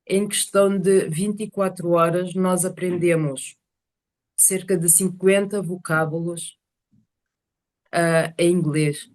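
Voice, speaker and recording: A woman telling casual personal stories to a group on a video call, animated and often searching for words. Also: on the low side, slow pace. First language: Portuguese is one of several languages spoken.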